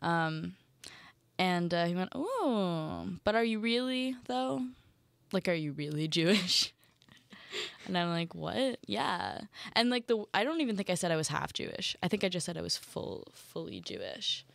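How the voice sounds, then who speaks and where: A young woman co-hosting a podcast, chatting casually with wry, deadpan asides and frequent laughter. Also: on the low side, measured pace, creaky, no echo. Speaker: podcast co-host. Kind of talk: casual chat.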